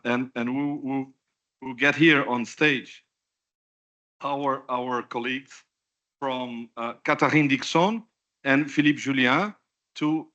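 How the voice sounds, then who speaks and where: A man hosting a conference session, halting and repeating words as he introduces the panel. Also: medium pitch, sharp tone. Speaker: session host. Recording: dull, muffled sound.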